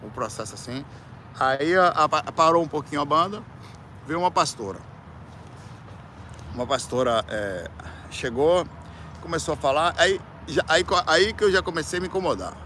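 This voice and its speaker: Speaking at a normal pace but with long pauses, a Brazilian Portuguese-accented musician with a higher voice tells a casual personal story. He gets animated, imitating people's voices with loud outbursts, against slight background noise.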